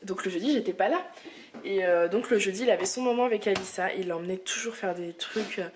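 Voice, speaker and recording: A woman's voice: medium pitch, a little fast, slight background noise. A young mother chatting casually to the camera at home in a family vlog, talking through her day and switching to a sing-song voice for her toddler.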